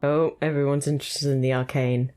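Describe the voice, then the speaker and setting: A young woman giving casual, chatty reaction commentary while watching an episode, thinking aloud in quick asides. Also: rumbling low, level tone, a little mellow. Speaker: reaction video host.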